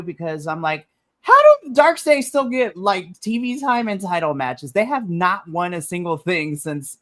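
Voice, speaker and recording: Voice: medium pitch, a bit bright. A podcast co-host talking casually about wrestling over a remote streaming call, chatty, laughing often and trailing off mid-thought.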